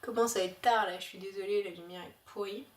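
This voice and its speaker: Chatty woman vlogger, casual and halting, recorded a bit far off in an echoey room with faint hiss. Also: medium pitch, steady tone. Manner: chatty, hesitant with many fillers. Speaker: beauty vlogger. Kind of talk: casual haul video chat.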